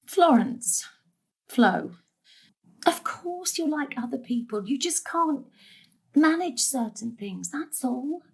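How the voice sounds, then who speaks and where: A principled mother in a stage drama, worn to exasperation by her family. Her voice is high and swings widely, firm and emphatic. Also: expressive, takes it slowly, creaky, pauses often, heavily acted. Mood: reassuring.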